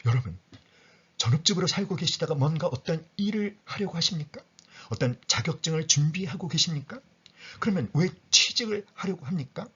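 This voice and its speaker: A man's voice: on the high side, expressive, brisk, fairly bright tone, breathy edge, highs cut off. A man preaching a sermon as a pastor, asking rhetorical questions and dropping to a whisper for emphasis.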